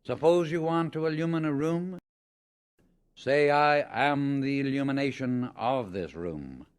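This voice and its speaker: Male audiobook narrator, medium pitch, scripted spiritual reading, measured and emphatic, instructive. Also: clean tone.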